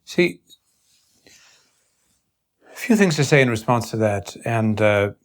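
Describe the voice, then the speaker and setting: A man interviewing in an earnest intellectual conversation, speaking in formal academic phrases with a halting, searching delivery. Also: medium pitch, expressive.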